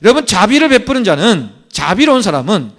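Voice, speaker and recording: A man's voice: sits high, a little fast. A man preaching a sermon as pastor, acting out quoted complaints and often calling out to the congregation. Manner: animated preaching, acts out quoted complaints, keeps addressing the congregation. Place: church.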